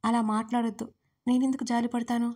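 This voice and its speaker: A woman's voice: a little high, level tone, fast talker, warm tone, breathy edge. A woman voicing a tearful, desperate young woman in love, pleading in a crying voice in an audio story.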